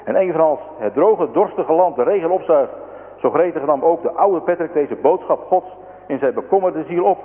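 A man's voice: a little high, expressive, normal speed, phone-quality sound. A man narrating a religious story in a solemn, preaching manner. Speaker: story reader. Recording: thin echoing radio broadcast.

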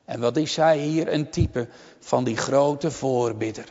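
A man preaching a sermon in a slow, solemn, deliberate way with long pauses. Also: mid-range voice, a little mellow. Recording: long church reverb, dull lo-fi sound.

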